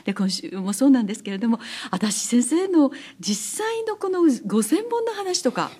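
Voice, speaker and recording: A woman's voice: on the high side, big pitch swings, moderate pace, breathy edge. A woman hosting a radio interview, attentive and friendly, with constant backchannel responses. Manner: warm, attentive, frequent backchannel. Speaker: radio host.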